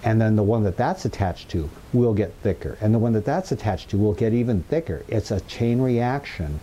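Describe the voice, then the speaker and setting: A man's voice: on the low side, moderate pace, mellow, slight background noise. Cheerful man on a garden patio. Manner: upbeat, reassuring, chatty. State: recovered, slight leftover throat. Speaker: gardening channel host. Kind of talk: casual gardening tutorial. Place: outdoor patio garden full of potted plants.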